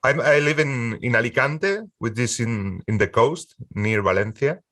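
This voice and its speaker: A Spanish man in his forties, a music producer speaking English as a second language in a casual interview, halting with frequent restarts and easy laughter. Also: medium pitch, a bit bright, dry recording, clean studio sound, far from the mic. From Spain.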